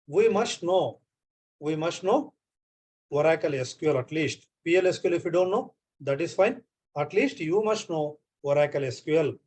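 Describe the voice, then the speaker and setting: Repetitive Indian male trainer, higher voice. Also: a little mellow. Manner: repeats phrases often, checks on students. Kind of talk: online class lecture.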